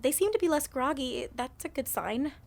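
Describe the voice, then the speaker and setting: A woman playing a gentle young friend in an audio drama, soothing and a little hesitant. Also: sits high, animated, normal speed, gravelly. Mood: reassuring.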